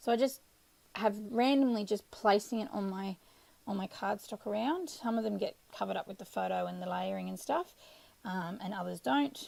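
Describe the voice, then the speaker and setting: A woman mumbles at a moderate pace. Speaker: craft video creator. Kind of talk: tutorial. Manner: mumbling; halting.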